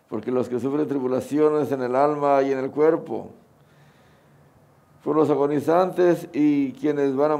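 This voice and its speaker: A man's voice: mid-range voice, mellow. A middle-aged man with a Mexican Spanish accent, speaking as a Catholic priest at Mass. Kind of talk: sermon and prayers at Mass. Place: outdoors under a canopy at an altar.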